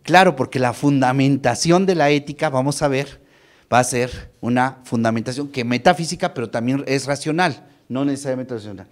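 A man with a Mexican accent giving a university lecture, animated, addressing students with rhetorical questions. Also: medium pitch, fairly quick. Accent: Mexican Spanish.

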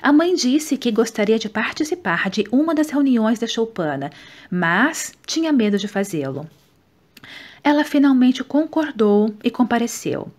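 A woman with a Brazilian Portuguese accent, reading a nonfiction book aloud in a steady, measured way. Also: fairly high pitch. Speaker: audiobook reader. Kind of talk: scripted audiobook narration.

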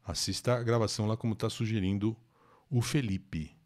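A Brazilian man teaching English in a live lesson, talking to viewers by name and repeating words for pronunciation. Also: fairly low pitch. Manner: animated, explains slowly and repeats words for pronunciation; reads English passages slowly and deliberately. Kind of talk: live-stream language lesson.

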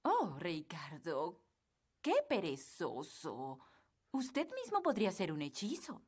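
Slow, swooping long-suffering fairy nanny. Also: female voice, on the low side, wildly swooping pitch, husky, full character voice. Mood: exasperated. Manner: theatrical, exasperated, deliberate. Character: brisk, long-suffering fairy nanny, magic-casting housekeeper to royals. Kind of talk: Spanish children's cartoon dub. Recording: music and jingles behind voice.

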